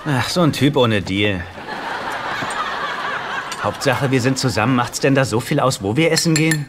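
A man's voice: mid-range voice, normal speed, very noisy, natural voice. An actor dubbing a naive, boyish rich young man in a German sitcom, guileless and childlike. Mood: pleading, whiny. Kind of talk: German-dubbed sitcom acting.

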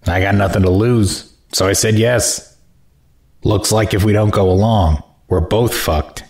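A gruff homeless rival with a very deep voice. He is blunt, crude and hostile, a character in a horror audio drama. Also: unhurried, darkish tone. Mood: gruff, suspicious. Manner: blunt, foul-mouthed.

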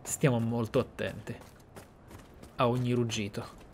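A man's voice: medium pitch, flat delivery, a little slow. A man giving roleplay game commentary in a theatrical, pensive manner with murmured asides. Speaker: video game player and narrator. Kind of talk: roleplay let's play commentary, in-character musing and reading aloud. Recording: clear background noise, game ambience. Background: video game ambience.

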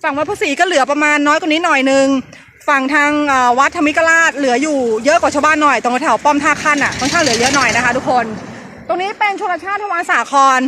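A woman's voice: high voice, fast. A woman vlogger talking nonstop to her viewers outdoors by a busy road and raising her voice over the traffic. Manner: chatty nonstop talker, addresses viewers directly; talks loudly over traffic. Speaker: vlogger and local history guide. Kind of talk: casual walking vlog narration. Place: outdoors beside a busy road by an old canal. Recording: loud traffic noise outdoors. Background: passing cars.

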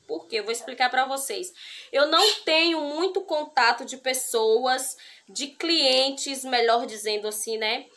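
A woman in her thirties sits outdoors by a brick wall and talks to the camera in a chatty, step-by-step way, full of little fillers. Her voice sits high and bright, and a faint hiss runs under it. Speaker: crochet vlogger. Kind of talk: casual talk to camera.

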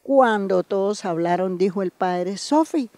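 A woman's voice: medium pitch, unhurried, no echo. Older woman telling her story. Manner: lively storytelling, acting out quoted voices. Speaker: community member giving testimony. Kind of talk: personal testimony.

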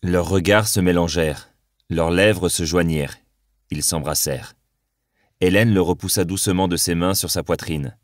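A man narrating an audiobook novel in an even, measured reading. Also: deep voice, dry recording, studio quality. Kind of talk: scripted narration.

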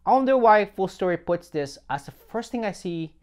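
A man's voice: sits high, expressive, normal speed, darkish tone, clear, resonant tone. A man hosting a product onboarding review, narrating from a script with wry jokes and small chuckles. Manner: wry, joking, chuckles at own lines. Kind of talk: scripted narration with playful asides.

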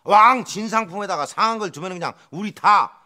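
A bright, sharp voice plays a fawning aide in a period sitcom. He bows to his master and scolds his colleagues. The voice sits a bit high. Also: a little fast. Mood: scolding. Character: fawning male aide to the magistrate.

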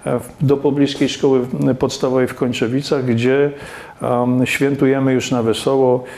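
A man's voice: mid-range voice, little pitch movement, moderate pace, darkish tone. A man in his fifties, a school director, answering interview questions plainly and firmly. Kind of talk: conversational interview. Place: office room with plants and bookshelves.

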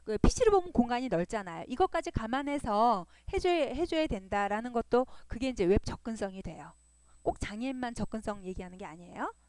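A high-voiced woman walks through a coding lesson, her pitch rising and falling a lot as she explains. She repeats each point patiently and keeps checking in with her listeners. Her voice is smooth and clear, recorded close and dry. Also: expressive, brisk, a little mellow, no room sound. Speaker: web design instructor. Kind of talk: screen-recorded coding tutorial.

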